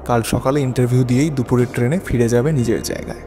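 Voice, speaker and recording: A man playing a lonely, brooding widower, narrating his haunted memories in an introspective, theatrical audio drama style with rhetorical pauses. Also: mid-range voice, fairly even intonation, close to an everyday voice. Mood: gloomy. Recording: long reverb, music bed underneath.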